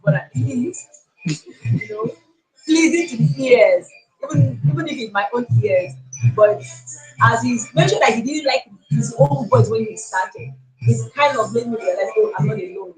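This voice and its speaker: A woman speaks to a workshop group in a slightly high voice, choosing her words slowly and filling gaps with small hesitations. Faint music sits behind her. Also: expressive, low-quality recording. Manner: measured, hesitant with pauses and fillers. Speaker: workshop participant. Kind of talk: short speech to a group.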